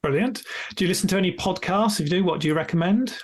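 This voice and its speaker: A man hosting a business podcast, asking his set questions briskly. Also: sits high. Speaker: podcast host. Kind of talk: podcast interview.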